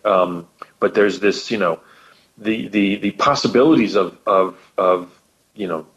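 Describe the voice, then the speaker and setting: A man with a fairly low voice chats as a podcast guest, musing his way through ideas. He circles back and restarts his sentences as he thinks. The audio is muffled and lo-fi. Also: unhurried, fairly bright tone. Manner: thoughtful, rambling, frequent restarts and repeated words. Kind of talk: casual conversation about old radio comedy.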